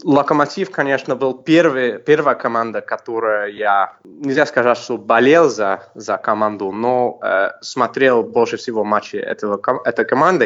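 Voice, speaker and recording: A man with an English accent at a fairly slow pace. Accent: English-accented Russian. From England. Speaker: football journalist. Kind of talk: interview. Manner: halting.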